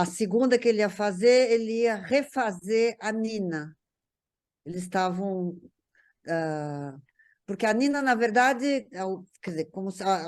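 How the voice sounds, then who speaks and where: A Brazilian woman, a guest, reminiscing casually in a halting way, repeating words and restarting. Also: mid-range voice, darkish tone.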